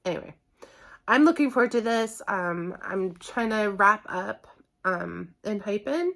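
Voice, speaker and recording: A woman's voice: medium pitch, animated, unhurried, creaky, fairly bright tone. A woman hosting a reaction channel, chatting casually to viewers in a rambling, self-correcting and somewhat apologetic way. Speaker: host of a music reaction channel.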